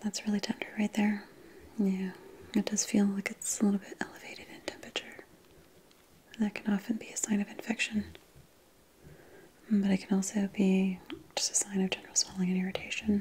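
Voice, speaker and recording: A soft-spoken woman at a fairly quick pace, her intonation monotone and flat. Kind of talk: soft-spoken role-play exam. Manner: soft, hushed close-mic ASMR voice. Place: home room.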